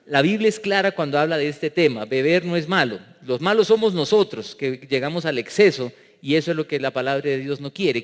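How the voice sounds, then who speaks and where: A man preaching a sermon as pastor, joking with the congregation and putting rhetorical questions to them. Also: fairly high pitch. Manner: humorous, mimics people in funny voices. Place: church sanctuary. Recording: long reverb of a church hall.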